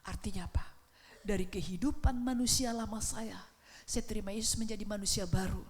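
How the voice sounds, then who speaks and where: A middle-aged woman preaching a sermon in a church, swinging between hushed whispers and shouts. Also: mid-range voice, fairly even intonation, brisk, big-room sound.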